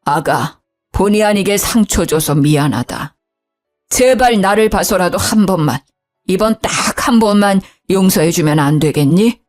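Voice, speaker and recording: Woman voicing older father-in-law, stern, blunt, lively pitch. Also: normal speed, soft background music, natural voice. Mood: pleading. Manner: scolding bluntly, then coaxing gently.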